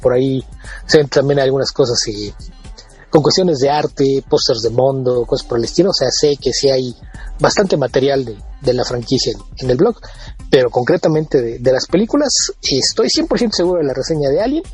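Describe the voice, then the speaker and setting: A man's voice: medium pitch, animated, a little fast, a little mellow, husky, faint music behind. A man with a Mexican Spanish accent, chatting casually as a podcast co-host and often repeating words as he restarts.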